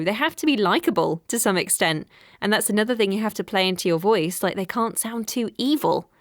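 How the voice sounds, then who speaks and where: A woman voice actor speaking candidly as a podcast guest, animated and quick to laugh. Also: mid-range voice, no room sound, studio quality. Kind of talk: conversational interview.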